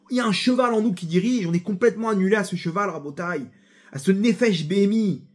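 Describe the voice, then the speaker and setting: A young man teaching a sermon-style Torah class, animated and storytelling, speaking straight to his listeners. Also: sits high, breathy edge. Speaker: rabbi teacher.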